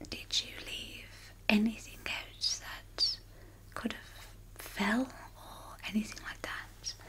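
A woman whispers at a very slow pace. Her tone is relaxed. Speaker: ASMR creator. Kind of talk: soft-spoken spooky story narration. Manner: soft-spoken, relaxed. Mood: spooky, intimate. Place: home room. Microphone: studio mic.

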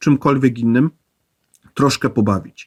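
Dry and close with no echo, a man's unremarkable speaking voice sits at medium pitch with ordinary pitch variation. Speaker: pet content creator. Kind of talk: educational monologue.

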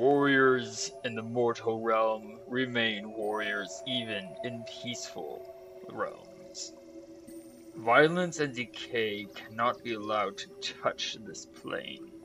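Putting on a character voice, a man talks at a fairly slow pace and medium pitch over clear background noise. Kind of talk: fantasy game-master character voice. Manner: booming, laughing, grand.

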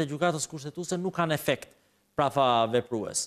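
A fairly high-pitched man at a fairly quick pace, with lively intonation. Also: quiet background. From Albania. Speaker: politician; guest. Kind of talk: studio interview. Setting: studio. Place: studio. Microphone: lapel.

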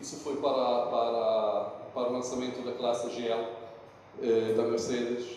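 A man with an Italian accent speaks very slowly in a flat monotone, with strong room echo and light background noise. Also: medium pitch for a man. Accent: Italian-accented European Portuguese. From Italy. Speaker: advertising creative director. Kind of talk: conference talk. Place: stage.

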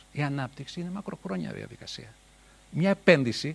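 A man is speaking. His pace is moderate. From Greece, Patras; Greece. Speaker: economics professor; interview guest. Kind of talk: interview; interview answer. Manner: halting. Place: studio. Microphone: lapel.

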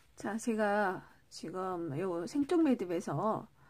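A woman talks with pitch that swings very widely up and down. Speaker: knot-craft instructor. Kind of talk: tutorial. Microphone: phone near.

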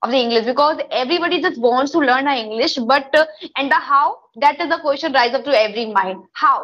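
A high-pitched woman with an Indian accent at a fairly quick pace, against a quiet background. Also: ordinary pitch variation. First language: Hindi. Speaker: English trainer. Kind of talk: casual chat. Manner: halting. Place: home room. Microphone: earbuds.

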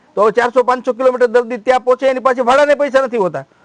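A man speaks at an extremely high pitch, with a dry, close sound and no echo. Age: 50s. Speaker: ayurvedic healer and monk. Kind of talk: interview.

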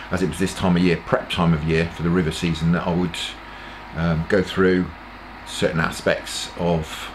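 Through noticeable background noise, a man with a very deep, low pitch talks in a flat monotone at a moderate pace. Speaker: angler vlogger. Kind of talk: casual tutorial intro. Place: home room.

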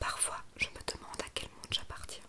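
A woman's voice. She is whispering. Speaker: ASMR video creator. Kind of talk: whispered narration of a children's storybook. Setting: studio microphone, binaural recording. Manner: whispered, soft, slow. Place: home room. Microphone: handheld.

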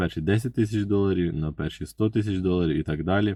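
With fairly even intonation and a moderate pace, a man talks against a quiet background. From Ukraine, surzhyk-speaking area. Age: 20s. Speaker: YouTuber. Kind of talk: vlog monologue.

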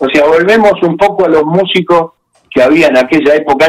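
A man with a Rioplatense accent speaks in a high voice at a moderate pace, with ordinary pitch variation. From Argentina, Buenos Aires (Boedo). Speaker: singer. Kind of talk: interview.

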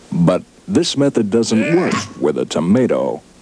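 Background noise is noticeable as a man speaks at a medium pitch. His pitch swings very widely. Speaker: commercial announcer. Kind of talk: vintage TV commercial sales pitch. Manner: upbeat, excitable, emphatic.

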